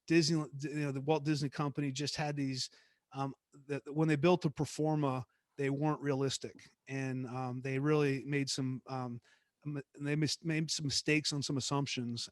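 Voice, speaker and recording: A middle-aged man, a guest speaker, telling stories from his career in a relaxed, reflective way with frequent restarts. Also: mid-range voice, moderate pace, no room sound, clean studio sound. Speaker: guest speaker, former theme park executive. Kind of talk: conversational class talk.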